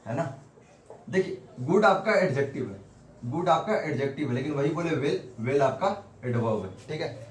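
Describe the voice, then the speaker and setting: A man giving a whiteboard grammar lesson who keeps asking questions and answering them himself, repeating points. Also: fairly high pitch. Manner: repetitive, asks and answers his own questions. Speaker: English grammar teacher. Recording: echoey room with faint background noise.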